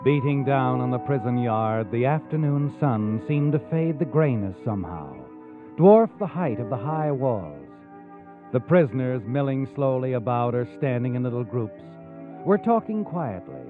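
Man playing a sinister, animated radio crime narrator. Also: medium pitch, close to an everyday voice. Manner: theatrical, ominous, knowing. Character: sinister all-knowing male narrator of crime tales, taunting. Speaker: host and narrator. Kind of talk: 1940s radio suspense narration. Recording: tinny vintage radio recording, music behind.

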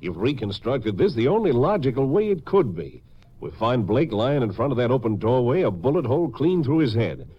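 An American actor playing a folksy, puzzled small-town Texas sheriff in a 1950s radio western, with a husky, expressive voice. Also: male voice, mid-range voice, moderate pace. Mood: doubtful, frustrated. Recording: muffled 1950s radio recording.

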